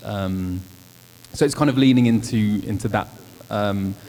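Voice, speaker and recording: Over noticeable background noise, a man with a Birmingham accent speaks at a moderate pace with ordinary pitch variation. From Birmingham, English Midlands. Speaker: voice actor. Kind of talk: convention panel talk.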